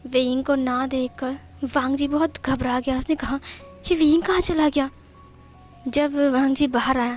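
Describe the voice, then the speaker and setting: A woman narrating a fan fiction story, reading all the dialogue in her own voice with little acting. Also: high-pitched. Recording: faint background music.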